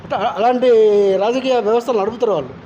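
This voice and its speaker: Mellow-toned halting man. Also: very high-pitched, highs cut off, slight background noise. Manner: halting, restarts often. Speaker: interviewee, movement activist. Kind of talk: political opinion in interview.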